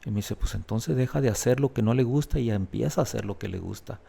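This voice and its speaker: A man's voice: mid-range voice, fast, creaky, mellow, husky. A man earnestly recounting a personal testimony in an interview, acting out the voices of the people he quotes. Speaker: guest telling his life story.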